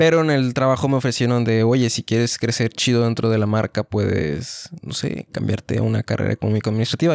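Very fast male speech in a dry, close sound with no echo. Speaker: podcast co-host. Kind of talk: casual chat.

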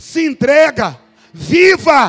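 The voice has an animated tone. Its pitch variation is ordinary. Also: man. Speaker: preacher. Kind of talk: sermon. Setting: church. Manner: humorous, conversational.

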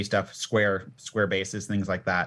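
A man's plain, everyday voice at a fairly low pitch and a moderate pace, against a quiet background. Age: 30s. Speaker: board game accessory company founder. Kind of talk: casual chat. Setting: video call.

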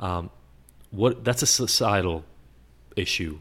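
A man talks with a very deep, low pitch. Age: 40s. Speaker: addiction expert and psychology lecturer. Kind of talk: casual interview conversation.

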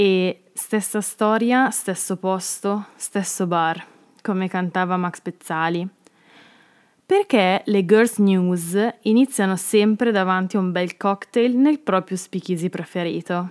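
Recorded very cleanly with a silent background and a dry, close sound with no echo, a woman speaks very slowly in a playful tone at a medium pitch with fairly even intonation. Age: 20s. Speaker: podcast host. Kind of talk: scripted monologue.

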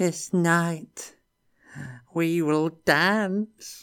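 A put-on character voice pitched in the middle range. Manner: unhinged, insane.

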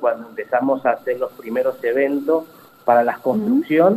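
The talking proceeds at a moderate pace. Background noise is noticeable throughout. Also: man. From Paraguay. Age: 30s. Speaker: parishioner and community organizer. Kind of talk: testimony.

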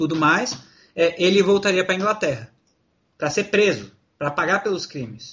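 This man has a high pitch and speaks at a fairly quick pace. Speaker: crime storytelling podcast co-presenter. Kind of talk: casual chat.

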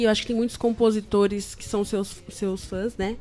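A woman at a medium pitch and moderate pace, against noticeable background noise. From São Paulo, Brazil. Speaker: podcast host. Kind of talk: casual chat.

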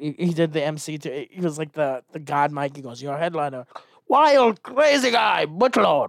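With an American accent and an ordinary speaking voice, a man at a fairly high pitch talks at a moderate pace with lively intonation and big swings in loudness, the sound dry and close with no echo. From Dallas, Texas. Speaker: comedian. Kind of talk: casual chat. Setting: studio.

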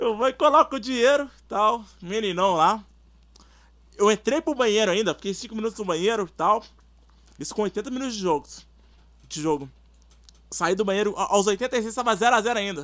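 Long, frequent pauses within a moderate pace, plus lively intonation. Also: man, high pitch for a man. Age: 30s. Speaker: podcast co-host. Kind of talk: casual comedic chat.

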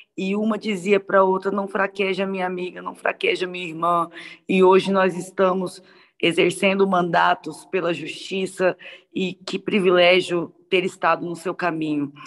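In a monotone, flat delivery at medium pitch, a woman talks at a moderate pace. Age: 30s. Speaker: city councillor. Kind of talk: speech at online event.

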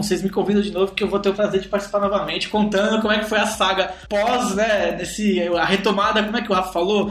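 The talking runs fairly quickly while noticeable background noise sits underneath. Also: man. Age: 30s. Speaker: software developer. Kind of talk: casual chat.

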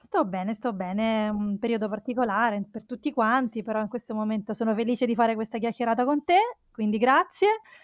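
A woman speaks at a fairly quick pace with a fairly high pitch. She has an unremarkable speaking voice. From Italy. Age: 30s. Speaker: food business founder. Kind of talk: casual interview.

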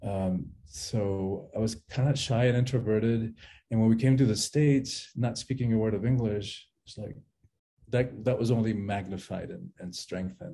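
A man with a dark, mellow, somewhat breathy voice of medium pitch talks at a moderate pace, showing ordinary pitch variation and big swings in loudness. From Cuba, moved to the US at about ten. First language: Spanish. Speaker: spiritual teacher and author. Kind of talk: podcast interview.

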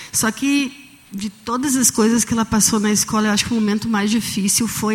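A woman talks at a moderate pace in a normal speaking voice. Her pitch is fairly high and her intonation fairly even. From Rio Grande do Sul, Brazil. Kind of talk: public testimony at council meeting.

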